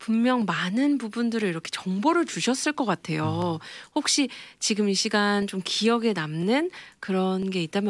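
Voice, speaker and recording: A woman speaks with lively intonation in a dry sound with no echo, the background quiet. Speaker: radio host. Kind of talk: interview. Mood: warm, polite, slightly nervous. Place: studio. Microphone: studio mic.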